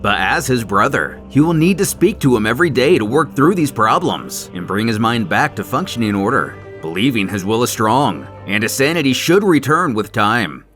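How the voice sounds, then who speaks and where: Theatrical, animated male story narrator. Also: mid-range voice. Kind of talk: dramatic scripted story narration. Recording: music under the voice. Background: music.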